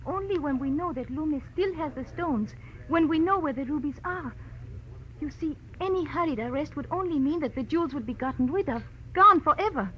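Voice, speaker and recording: An actress playing a refined, pleading French client in a 1940s radio detective drama, polite and dramatic. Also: female voice, high voice, fairly quick, close to an everyday voice. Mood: urgent pleading. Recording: dull old radio recording with faint noise.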